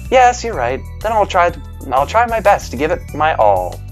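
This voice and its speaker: A man voicing a frail, gentle young woman patient in a game, speaking softly and hesitantly. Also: high voice, huge pitch swings, moderate pace, soft background music, pitched above the performer's own voice. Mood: timid, polite. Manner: soft, hesitant and polite.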